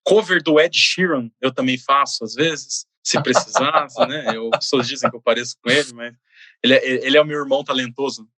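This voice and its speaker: A man's voice: mid-range voice, a little fast, a crowd in the background. A man, an expert guest on a podcast, speaking enthusiastically and with jokes and many fillers. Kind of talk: casual interview chat.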